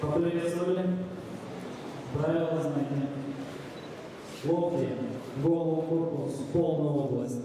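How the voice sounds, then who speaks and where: A man's voice: a little high, steady tone, unhurried, long pauses. Male referee in an echoey hall. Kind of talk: clipped rule briefing to fighters. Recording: echoey hall, distant from microphone.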